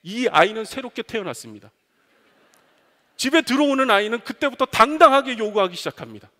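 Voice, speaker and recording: A male pastor preaching a sermon with animated storytelling, acting out the voices of his family. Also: very high-pitched, brisk. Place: church sanctuary. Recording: long reverb of a church hall.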